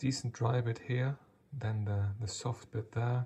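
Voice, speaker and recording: A man with a dark, mellow tone and a somewhat breathy voice talks at a fairly slow pace, at a medium pitch, with fairly even intonation. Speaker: food reviewer. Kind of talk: casual food review talk to camera.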